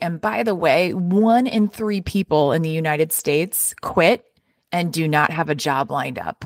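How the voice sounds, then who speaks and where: With an American accent and an unremarkable speaking voice, a woman speaks at a moderate pace, her fairly low pitch carried by lively intonation. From US Midwest, Chicago suburbs. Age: 40s. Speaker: podcast co-host, HR leader. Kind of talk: casual chat.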